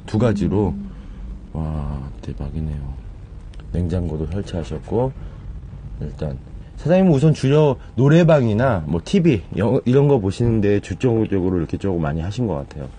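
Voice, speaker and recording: A man's voice: low voice, big pitch swings, normal speed, mellow, slight background noise. A man in his thirties giving a casual walkthrough of a camper, chatting with the owner and the viewers. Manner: chatty, asks many questions, addresses viewers. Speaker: vlog host touring a camper. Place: inside a small wooden camper.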